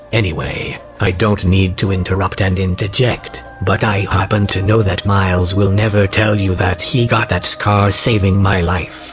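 A man's fairly low-pitched voice at a moderate pace, with clear music in the background. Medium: audio drama. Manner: measured, formal, courteous.

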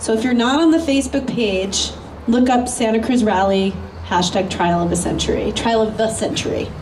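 Noticeable background noise behind a fairly high-pitched female voice. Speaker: rally organizer. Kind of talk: event opening and ceremony. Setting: outdoors.

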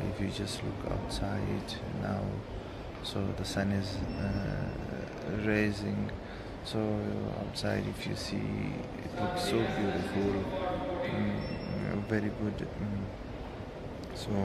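The speech is very slow, broken by long, frequent pauses. Loud background noise runs underneath. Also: man. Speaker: travel vlogger. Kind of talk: casual vlog chat. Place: hall. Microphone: phone near.

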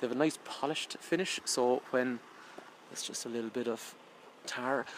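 A man speaks at a moderate pace with fairly even intonation, the sound dry with no echo and light noise in the background. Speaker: car salesman. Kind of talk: walkaround sales commentary. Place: street. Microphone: phone near.

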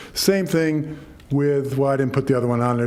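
Talking very fast, a man is heard with audible room echo and noticeable background noise. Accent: American. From New Jersey. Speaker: superintendent search consultant. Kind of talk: presentation to a school board.

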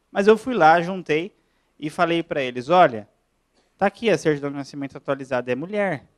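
Against a quiet background, a man speaks at a fairly high pitch. His intonation is lively and his pace fairly quick. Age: 30s. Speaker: lawyer giving a lecture. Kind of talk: lecture. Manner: conversational, animated. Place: meeting room. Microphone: handheld.

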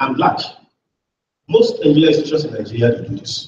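A man speaks at a moderate pace, with audible room echo and light background noise. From Nigeria. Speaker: engineering professor. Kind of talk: lecture. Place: hall.

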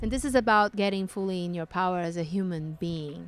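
Animated in tone, a woman with a Brazilian accent talks at a moderate pace with ordinary pitch variation. The sound is dry, with no echo. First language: Portuguese. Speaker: relationship and sex coach, author; sex coach. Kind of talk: interview. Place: bar. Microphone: handheld.

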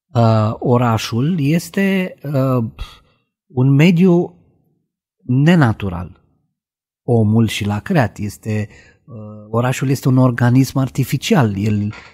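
A man speaks at a very slow pace with long, frequent pauses and lively intonation over a quiet background. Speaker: musician. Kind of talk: casual chat. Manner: halting. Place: studio. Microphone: studio mic.

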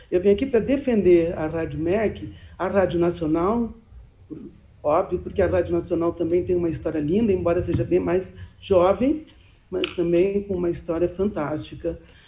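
Woman's fairly low, dark and mellow voice with vocal fry and ordinary pitch variation, over light background noise. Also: moderate pace. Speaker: researcher and former radio manager. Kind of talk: formal speech at public hearing. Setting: legislative hearing room. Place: home room. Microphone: video call.

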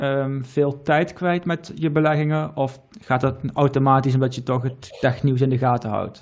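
Against a quiet background, a man in a plain, everyday voice speaks at a moderate pace with a fairly high pitch and fairly even intonation. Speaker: finance YouTuber host; host interviewing a viewer. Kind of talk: interview about investment portfolio. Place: home room. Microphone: studio mic.

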